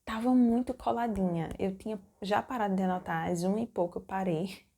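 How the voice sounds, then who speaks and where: A young woman recounts her childbirth to her viewers in a casual, halting way, stopping to act out her own remembered lines. Her voice is mellow and dark, with a gravelly fry. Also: medium pitch. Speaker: mom vlogger. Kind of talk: personal birth story, casual narration.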